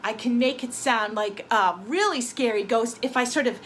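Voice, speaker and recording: A woman violin teacher explaining techniques gently and clearly, and telling a short spooky story with growing emphasis, with violin playing between her phrases. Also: a little high, normal speed, a little hiss or hum, rough recording. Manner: storytelling with rising dramatic emphasis. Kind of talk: violin lesson with a told story. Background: violin sound effects between phrases.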